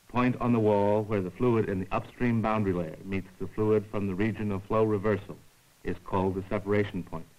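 A man giving formal, measured scripted narration for an educational science film, explaining carefully like a lecturer. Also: lowish voice, fairly even intonation, darkish tone, poor audio.

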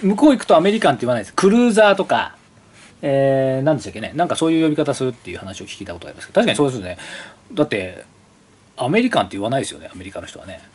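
A man's voice: medium pitch, big pitch swings, a little mellow, breathy edge. A man hosting his motorcycle channel, chatting casually and rambling as he leafs through an old brochure, asking the viewer questions. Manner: reads brochure copy aloud slowly.

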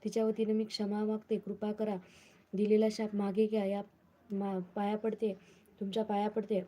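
A woman playing a gentle pleading princess. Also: mid-range voice, monotone, normal speed, lightly acted. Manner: pleading humbly.

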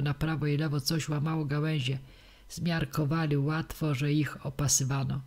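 Woman reading a classic novel aloud. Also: deep voice. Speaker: audiobook reader. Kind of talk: classic novel audiobook narration.

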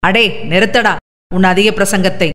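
A menacing older landlord villain, sneering and bossing his henchman around, as a woman narrator reads him. The voice stays at her ordinary mid pitch, with a long trailing reverb behind it. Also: fairly even intonation, moderate pace, fairly bright tone, close to an everyday voice. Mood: mocking. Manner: sneering, mocking, commanding.

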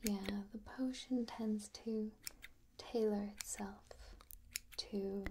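A young woman playing a gentle, attentive potion maker in a soft-spoken, breathy, slow and reassuring ASMR roleplay, close to the microphone. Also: medium pitch, steady tone, background noise, natural voice. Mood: soothing. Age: young adult. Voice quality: breathy, whispery.

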